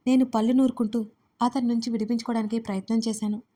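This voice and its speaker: Expressive woman narrating a story. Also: fairly high pitch, fast. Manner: expressive, dramatic. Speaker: audiobook narrator. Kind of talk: first-person story narration.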